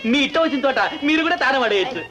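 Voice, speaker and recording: A bumbling poor village servant in an old film comedy. He talks humbly and rustically. Clear music plays behind him. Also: extremely high pitch, lively intonation, very fast. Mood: comic.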